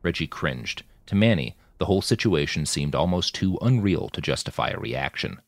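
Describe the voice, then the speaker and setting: A man narrating a story in scripted audiobook style, his voice low but moving widely in pitch. The sound is close and dry, with no room around it. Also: animated, normal speed, no echo.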